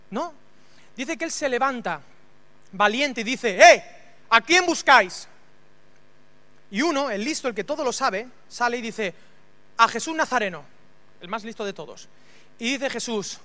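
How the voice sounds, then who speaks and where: A man preaching a humorous, animated sermon and acting out scenes with voices. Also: very high-pitched. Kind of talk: storytelling sermon.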